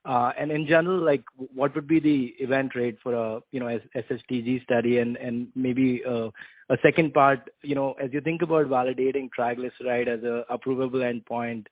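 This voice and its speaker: A man asking questions as a financial analyst on an earnings call, halting with stammered restarts, over a narrow phone line. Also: mid-range voice, no room sound.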